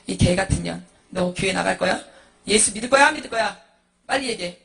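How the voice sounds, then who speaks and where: A woman voicing a violent drunken husband who shouts curses and threats in a lower, louder voice. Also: fast talker, vocal fry, exaggerated voice. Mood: raging. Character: violent drunken husband, middle-aged man, cursing.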